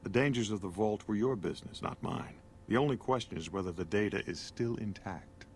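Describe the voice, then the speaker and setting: A man's voice: on the low side, a little fast, darkish tone, slight background noise, lightly acted. An actor voicing a cold, arrogant male scientist in a video game, condescending and dismissive.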